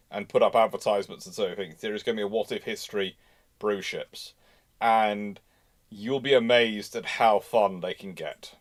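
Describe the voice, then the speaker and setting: A man hosting a live question-and-answer talk on history, explaining things informally and discursively, often halting mid-thought. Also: lowish voice. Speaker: host of a live naval history show.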